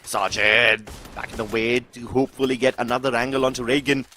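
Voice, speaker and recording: A man's voice: medium pitch, flat delivery, a little fast, bright, forceful tone, a little hiss or hum. A man working as an esports caster, giving emphatic live analysis and commentary on game action.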